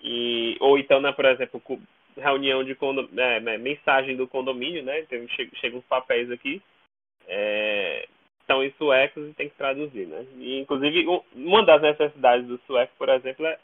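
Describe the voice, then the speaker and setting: A man with a Brazilian accent talks over a thin, phone-like connection. His pitch is ordinary and his delivery is halting, with repeated words. It sounds like a casual interview answer. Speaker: podcast guest. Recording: narrow, tinny phone-like call audio.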